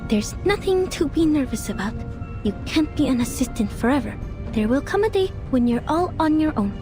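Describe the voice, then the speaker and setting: An actress playing a nervous, earnest young assistant investigator who hesitates and frets to herself, in video game style. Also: female voice, high-pitched, lively intonation, moderate pace. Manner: hesitant, anxious self-talk with broken-off thoughts. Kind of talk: dramatic video game voice acting. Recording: music behind the voice.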